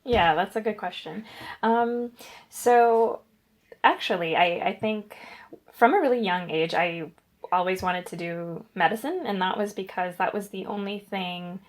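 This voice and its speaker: A woman's voice: mid-range voice, unhurried. A young woman from Guyana, a guest researcher, answering interview questions in a chatty, rambling way with fillers and self-corrections.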